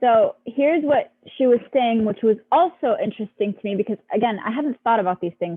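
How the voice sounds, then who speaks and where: A woman with a non-native accent speaks at a fairly quick pace, her fairly high pitch showing ordinary variation. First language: not English. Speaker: career changer sharing job search tips. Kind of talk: group discussion. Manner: hesitant, many fillers.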